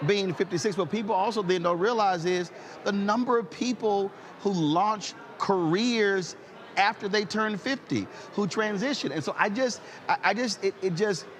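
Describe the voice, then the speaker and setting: A man in his fifties hosting an interview, telling stories in an animated way and repeating "I said" as he acts out conversations. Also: high voice, moderate pace. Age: 50s. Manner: animated storyteller, repeats "I said" while acting out exchanges. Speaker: host. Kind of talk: casual interview chat.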